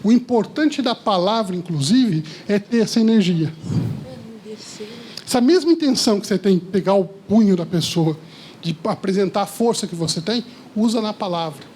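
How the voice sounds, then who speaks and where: A man giving a lively seminar talk to a live audience, often asking the listeners questions. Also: high-pitched, moderate pace, slight background noise. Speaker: speaker at a seminar. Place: lecture hall with audience.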